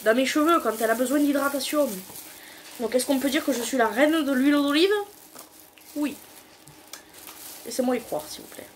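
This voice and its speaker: A woman's voice: high-pitched, normal speed, pauses often, a little hiss or hum. A young woman with a southern French accent chatting casually at home while doing a DIY hair treatment, giggling and swearing loosely. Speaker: beauty vlogger. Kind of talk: casual chat.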